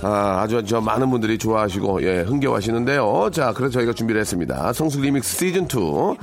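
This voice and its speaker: A man's voice: fairly low pitch, lively intonation, fast talker, soft background music. A man in his forties hosting a radio show, teasing his guests in playful, chatty banter. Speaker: radio host.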